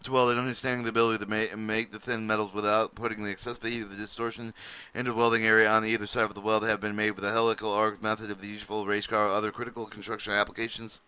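A man's voice: lowish voice, flat delivery, very fast, bright, forceful tone, clear, resonant tone. A man reading a welding manual aloud at his computer, stumbling over words and restarting often. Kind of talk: halting read-aloud of a manual. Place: at a computer, screen recording.

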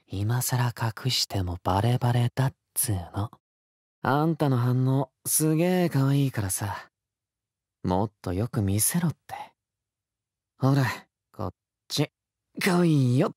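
A slow, teasing young boyfriend. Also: male voice, medium pitch, animated, a little mellow, dry recording, clean studio sound. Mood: teasing, cocky. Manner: slow, breathy, teasing, rough casual speech. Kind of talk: intimate audio drama, whispered ear-side roleplay. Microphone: close studio mic, dry.

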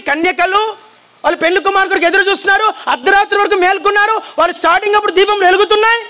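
High-pitched fiery shouting preacher man. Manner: shouting, calls on the congregation to repeat. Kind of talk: fiery sermon. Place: church hall before a congregation.

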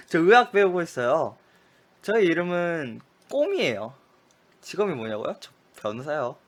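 A man's voice: on the high side, wildly swooping pitch, unhurried. A man playing a memory quiz game aloud, rattling off short clipped answers and cursing at his own mistakes. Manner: frustrated outbursts and muttered curses at mistakes. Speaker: gaming streamer.

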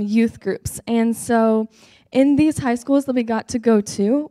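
A woman's voice: a little high, warm tone, no echo. A young woman giving an upbeat, earnest testimony on a church stage, with many ums, speaking into a handheld mic. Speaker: guest speaker.

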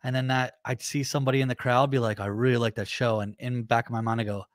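A man's voice: mid-range voice, fairly even intonation, fast, dry recording. A nasal-voiced man in his thirties chats as a guest on a video call. He talks animatedly, playing out his own quoted thoughts. The sound is dry and close, with no room ring. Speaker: guest musician. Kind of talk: casual interview chat. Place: home music room.

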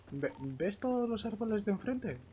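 Spanish man, halting, casual gamer chat. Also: high-pitched, sing-song, dark tone, a little hiss or hum. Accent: Spain. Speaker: gamer role-playing online. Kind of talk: casual in-game roleplay chat.

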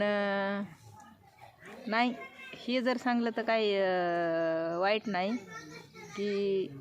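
A middle-aged woman chatting casually to her viewers in a village vlog, checking in with "hm?" and "haan?" as she talks. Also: medium pitch. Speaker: village vlogger. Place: outdoors in a village.

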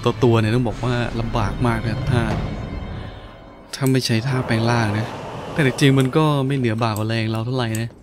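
A man commentates on a video game in a mid-pitched voice. He reacts to the play with frequent interjections and exclamations. Game music runs clearly behind his voice. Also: level tone, a little fast. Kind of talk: gameplay commentary. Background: video game music and effects.

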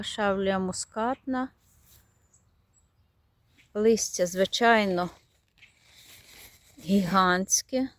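A garden vlogger strolls outdoors through her garden, chatting warmly as she shows off her plants and sometimes fumbles for what they're called. Her voice sits in the mid-range, with no room sound in this casual tour vlog.

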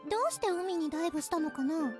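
A woman's voice: very high voice, very fast. A woman playing a caring, easygoing teenage girl in an anime visual novel game. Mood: teasing, curious. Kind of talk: Japanese visual novel voice acting. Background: game music.

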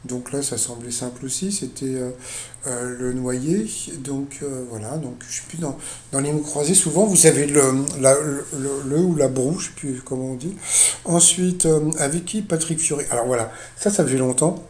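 A man's voice: medium pitch, moderate pace, warm tone, roomy sound. A man casually recapping a TV quiz show, rambling with lots of fillers and restarts and chatty asides.

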